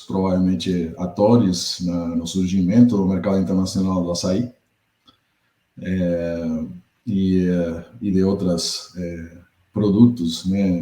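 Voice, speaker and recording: A middle-aged man from Argentina with an Argentine accent, speaking as a podcast guest in a measured, thoughtful way, often pausing to find his words. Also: low-pitched, warm tone. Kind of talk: podcast interview. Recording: echoey room.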